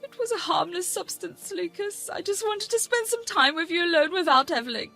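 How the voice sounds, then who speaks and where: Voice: animated, a little fast, vocal fry, bright, forceful tone, full character voice. A woman voicing a scheming, furious older mother-in-law who pleads and spits venom over faint background music. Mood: pleading, tearful. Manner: shrill, sobbing, venomous.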